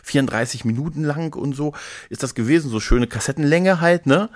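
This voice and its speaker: A man's voice: a little high, a little fast, dry recording, studio quality. A middle-aged man chatting casually as a podcast co-host, retelling things in a rambling, playful way with repeated words. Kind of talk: casual conversational storytelling.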